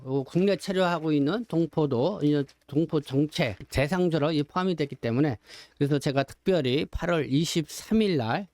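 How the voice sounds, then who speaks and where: A man's voice: a little high, a little mellow, dry recording. A man presenting his newspaper's contents in an informal, explanatory way, talking directly to viewers in a discursive spoken rundown.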